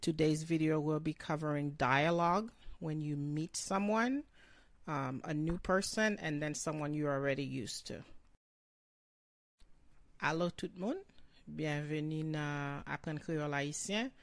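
A woman teaching a bilingual language lesson, explaining and repeating phrases slowly in two languages. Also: low voice, dry recording. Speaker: Haitian Creole teacher.

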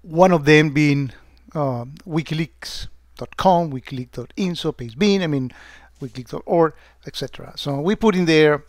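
Man, software demo narration, somewhat high voice, dry close sound, halting, filler-heavy. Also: dry recording. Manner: hesitant, many fillers and restarts. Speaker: security software presenter. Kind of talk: screen-recorded software demo.

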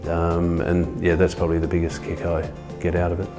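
Deep flat-voiced man. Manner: halting, many "uh" fillers. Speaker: winemaker. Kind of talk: documentary interview. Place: indoor winery tasting room. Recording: music bed underneath.

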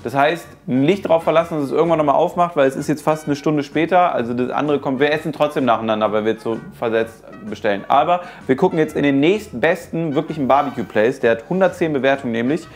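A man's voice: on the high side, quick pace, hardly any pauses, soft background music. A man in his thirties chatting casually and jokingly in a food vlog, with slang and English phrases mixed in. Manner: jokey, exclamatory, slangy. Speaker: host of a food-testing video. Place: home kitchen, indoors.

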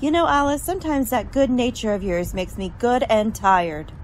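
A young college woman, played by an actress in an old-time radio play, fretful and tired of it all. Her voice sits fairly high, and she grumbles at length over faint vehicle noise. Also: moderate pace, lightly acted. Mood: weary, apologetic. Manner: fretful, wordy complaining.

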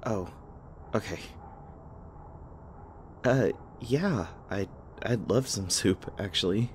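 A man's voice: on the low side, slow pace, a little hiss or hum. A man acting a nervous, rambling young human in an audio roleplay, stammering as he talks to the listener. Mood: shy, grateful. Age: young adult.

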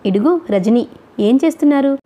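Give me a woman reading a boastful, chatty young classmate, high and mellow. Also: lively intonation, moderate pace.

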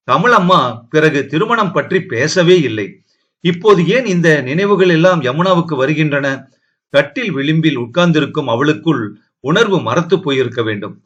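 A man narrating a novel as an audiobook in a measured, steady storytelling manner. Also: a little high, highs cut off.

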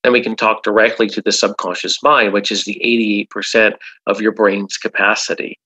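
A man's voice: lowish voice, little pitch movement, moderate pace, bright, forceful tone, breathy edge, rough recording. A man, a hypnotherapist guest in an interview, talking emphatically and often repeating "absolutely". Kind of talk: casual interview talk.

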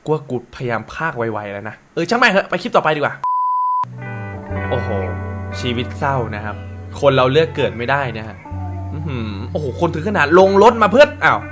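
A young man hosting a casual comedic commentary on viral clips, excitable, swearing freely and often laughing. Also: medium pitch, a little fast. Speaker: host reacting to viral clips. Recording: music playing behind voice.

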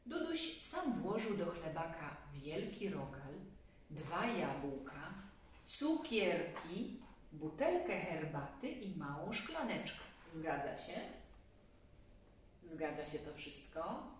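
Unhurried woman reading to children, echoey room. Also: deep voice. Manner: expressive, addresses children directly. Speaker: storybook reader. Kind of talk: children's story reading with casual asides. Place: small indoor room, seated on a sofa. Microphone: camera a few metres away. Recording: very echoey room, distant mic, faint noise.

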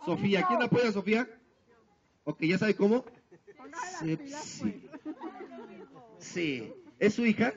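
Silly high-pitched clown man. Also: big pitch swings. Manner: silly, playful clown showmanship with drawn-out calls for applause. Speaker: party clown host. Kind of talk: live children's party entertainment, running a contest on microphone. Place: outdoor garden party. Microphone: handheld microphone over PA, filmed by distant camera. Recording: dull lo-fi camera audio of amplified voice.

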